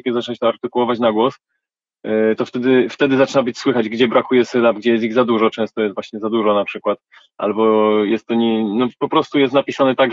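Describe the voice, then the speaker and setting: A man's voice: mid-range voice, no room sound, muffled recording. A man, a rapper, answering interview questions in a reflective, colloquial way.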